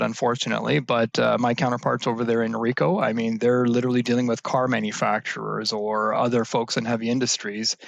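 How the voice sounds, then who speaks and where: A man speaking as an interview guest, telling animated anecdotes about his work with many fillers. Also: mid-range voice, creaky, no room sound. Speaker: guest, IT services business leader. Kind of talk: conversational interview answers.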